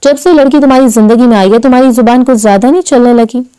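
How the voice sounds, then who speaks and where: A woman's voice: a little high, quick pace, warm tone, smooth, no echo, close to an everyday voice. A woman voicing a stern, domineering older father who scolds harshly.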